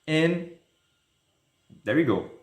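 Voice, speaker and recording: A man's voice: a little high, sing-song, takes it slowly. A young man from Brazil with a Brazilian Portuguese accent, casually telling a history story as a YouTube host, chatty and friendly, speaking English as a second language. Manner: friendly, chatty, laughs often, acts out dialogue. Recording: echoey room with faint music.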